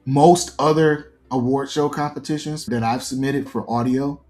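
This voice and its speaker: A man's voice: medium pitch, steady tone, normal speed, darkish tone, faint music behind. A man in his early forties giving earnest, reflective, detailed answers as a guest in a conversational interview. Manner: earnest, reflective, explains at length. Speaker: interview guest, fiction podcast creator.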